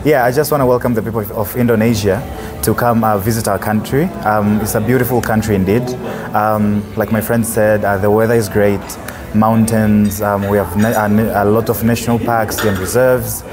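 Calm, low-voiced Tanzanian man. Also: normal speed, over music. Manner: calm, with many um fillers. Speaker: tour company owner. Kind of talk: welcoming statement. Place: conference venue, indoors.

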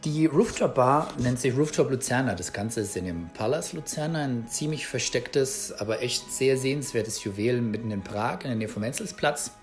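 A relaxed, chatty man in his thirties speaks straight to the camera from a small indoor room, his pitch sitting in an ordinary middle range. He rambles a little, restarting phrases and filling pauses as he goes. Clear background music plays underneath his voice. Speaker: travel vlogger. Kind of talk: casual travel vlog to camera.

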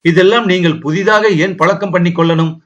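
Hurt young wife in a storybook reading, earnest, reproachful, pleading, read by a man, fairly high voice. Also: brisk, a bit bright, lo-fi sound. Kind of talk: audiobook character reading.

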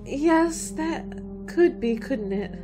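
A woman's voice: high-pitched, animated, slow. A woman playing an anxious, hesitant college girl in a radio horror drama. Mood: uneasy. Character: frightened, persistently questioning college girl. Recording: music behind the voice.

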